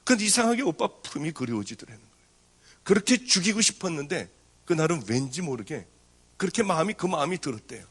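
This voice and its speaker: Pastor, middle-aged man, slightly high voice, storytelling testimony with acted-out dialogue. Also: sing-song, fast talker, slightly rough. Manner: storytelling, acting out quoted speech. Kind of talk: testimony sermon.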